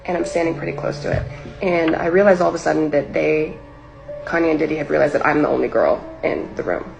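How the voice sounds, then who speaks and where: A young woman rambles through a personal story in a livestream or video setup, leaning heavily on "like." Her low voice is brisk, darkish, and full of vocal fry. Faint music plays behind the low-quality recording.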